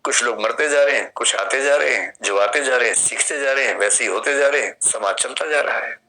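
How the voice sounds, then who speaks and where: A man's voice: mid-range voice, fairly quick, pushed and bright, rough recording. A man in his fifties with an Indian accent, giving a classroom lecture and explaining through questions and vivid examples. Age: 50s. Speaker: philosophy teacher.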